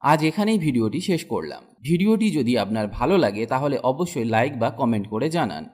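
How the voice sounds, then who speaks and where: A man teaching English, saying a sentence in Bengali and then repeating its English version twice, slowly and clearly. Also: mid-range voice, very animated, a little mellow. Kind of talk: slow drilled sentence practice.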